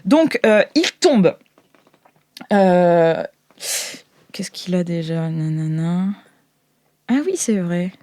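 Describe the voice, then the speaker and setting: A woman's voice: on the low side, expressive, drawn-out words, long pauses, warm tone. A woman improvising narration as game master, dropping in spoken sound effects. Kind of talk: improvised tabletop roleplay narration.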